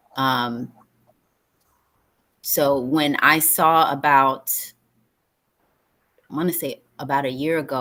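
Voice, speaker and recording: On a very clean recording with a silent background, a woman with an American accent speaks very slowly at a very deep, low pitch, her intonation fairly even. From US, born in Dire Dawa, Ethiopia, emigrated very young. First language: Afaan Oromo. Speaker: actor, writer and storyteller. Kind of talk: interview.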